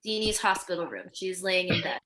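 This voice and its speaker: A woman's voice: on the low side, expressive, fairly quick, pushed and bright, poor audio. A woman narrating stage directions from a screenplay at a virtual table read.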